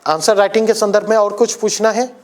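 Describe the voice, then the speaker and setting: A man's voice: high voice, level tone, a little fast. A man teaching an exam coaching class, lecturing emphatically and putting questions to his students.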